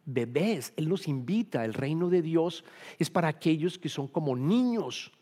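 A man preaching a sermon, emphatic and rising to loud peaks on key points. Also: fairly high pitch, animated, a little slow, breathy edge. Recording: reverberant hall.

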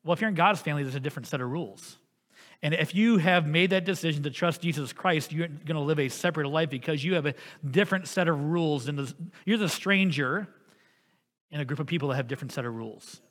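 A man preaching a sermon as pastor, telling a family story in an earnest, animated way. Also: a little high, fast talker, big-room sound.

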